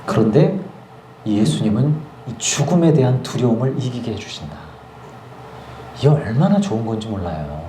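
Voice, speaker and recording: A man preaching a sermon as pastor, telling a personal testimony in a lively storytelling way and acting out his own prayers. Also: medium pitch, normal speed, roomy sound, a little hiss or hum. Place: church service.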